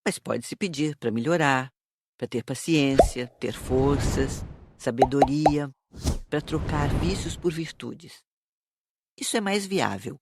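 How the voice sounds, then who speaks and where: A woman with a Brazilian accent playing a calm, didactic spirit teacher in an audiobook drama. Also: deep voice, very noisy. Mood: instructive, earnest. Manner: didactic, measured.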